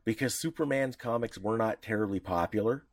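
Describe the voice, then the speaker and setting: A man's voice: lowish voice, fairly quick, no room sound. A man co-hosting a podcast in casual chat, talking loosely with restarts and the odd swear word. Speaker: podcast co-host.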